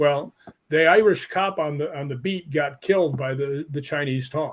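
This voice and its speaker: In an American accent, a man speaks at a moderate pace with ordinary pitch variation and an unremarkable speaking voice. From United States. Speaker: actor and stunt man, paranormal investigator. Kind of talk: casual interview chat.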